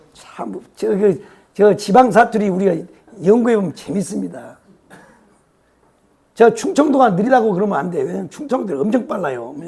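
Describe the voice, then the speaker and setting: Pausing long and often, a man with a high pitch speaks at a moderate pace with lively intonation. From Jeolla region, Korea. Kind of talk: casual, storytelling.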